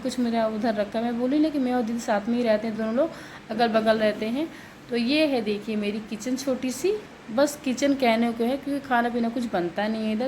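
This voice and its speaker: A woman's voice: a little high, a little mellow, slight background noise, rough recording. Chatty woman cooking at home. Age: 30s. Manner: chatty, rambling, explains steps while working. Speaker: vlogger. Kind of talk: casual home vlog while cooking. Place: home kitchen.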